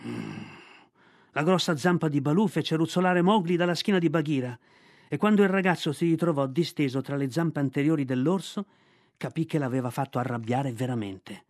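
A man's voice: a little high, brisk, no room sound. Man reading a story aloud, close dry sound. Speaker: narrator. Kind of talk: audiobook narration.

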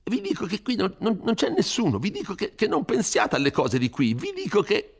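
A man voicing a frightened, fretful old village priest, stammering and pleading in a high, strained voice. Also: wildly swooping pitch, fairly quick, vocal fry, husky, exaggerated voice. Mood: flustered.

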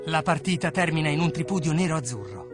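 A man's voice: fairly high pitch, animated, quick pace. A man reading scripted documentary narration about sport. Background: loud music.

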